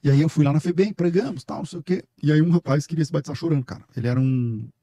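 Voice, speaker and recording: Middle-aged Brazilian pastor as guest, quick and emphatic, warm husky tone. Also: male voice, fairly high pitch, dry recording, clean studio sound. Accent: Brazilian Portuguese. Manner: emphatic, storytelling, preacher-like. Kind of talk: casual podcast conversation.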